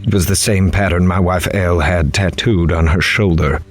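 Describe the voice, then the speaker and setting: A man's voice: low voice, fairly even intonation, moderate pace. A man playing a grave, horrified reporter in a horror audio drama, dramatically telling his story in the first person. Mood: grave dread. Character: horrified male reporter recounting an interview with a killer. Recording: music underneath.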